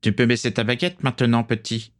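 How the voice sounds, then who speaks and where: A man's voice: mid-range voice, flat delivery, brisk, pitched above the performer's own voice, lightly acted. A man playing a stern hissing vampire pirate. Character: vampire pirate officer, cold and commanding.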